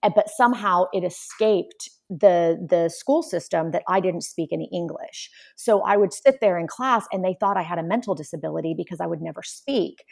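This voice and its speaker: A Polish-born woman telling stories in a relaxed interview, acting out quoted voices. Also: lowish voice, moderate pace, gravelly, few pauses. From Poland. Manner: animated storyteller, acts out quotes. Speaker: guest. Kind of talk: casual interview conversation.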